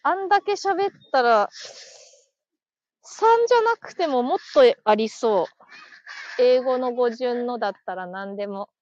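High-voiced woman chatting on a live stream. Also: lively intonation, measured pace, pauses often, darkish tone, no room sound, muffled recording. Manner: chatty, reads listener comments aloud, thanks viewers, laughs often. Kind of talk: casual live stream chat. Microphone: phone.

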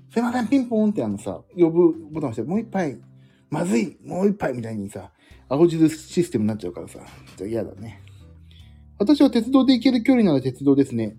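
A middle-aged man chats loosely and rambles through a solo livestream, joking at his own expense. His voice is mellow and a little husky, and it swings up and down a lot as he talks. Soft guitar music plays faintly behind him. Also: medium pitch. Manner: rambling, self-deprecating, chatty, jumping between topics. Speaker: livestream host. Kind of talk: casual solo livestream chat.

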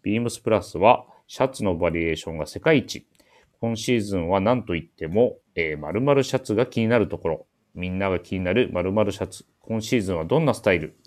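A man's voice: sits low, quick pace, darkish tone. A man hosting a casual talk show, chatting and announcing events with a dry, teasing manner. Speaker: radio show host.

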